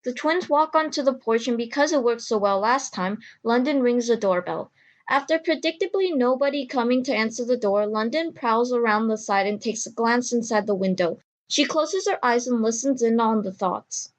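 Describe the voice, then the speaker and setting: A woman's voice: on the high side, moderate pace. A woman reading scripted story narration as the narrator of an audio drama.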